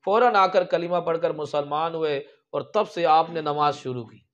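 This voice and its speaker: A man's voice: fairly high pitch, normal speed, fairly bright tone, muffled recording. A man preaching a sermon, telling religious stories with emphatic raised peaks. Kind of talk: storytelling sermon.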